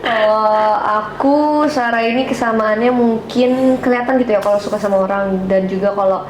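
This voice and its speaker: Young actress in an echoey, noisy room. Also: female voice, medium pitch, fairly even intonation, normal speed. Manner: earnest, loses her train of thought and laughs. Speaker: lead actress in a promotional interview. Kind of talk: casual chat. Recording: echoey room with clear noise.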